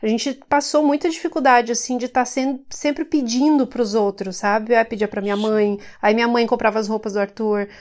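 Her pitch fairly high and its variation ordinary, a woman talks at a fairly quick pace with hardly any pauses. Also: very clean recording, silent background. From Rio Grande do Sul, Brazil (German-descended interior town). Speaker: spiritual teacher and therapist. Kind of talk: casual interview chat.

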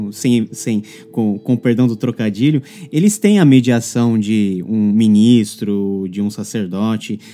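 A man speaks very slowly with ordinary pitch variation while music plays in the background. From Korean heritage, Brazil. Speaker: podcast host. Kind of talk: podcast interview.

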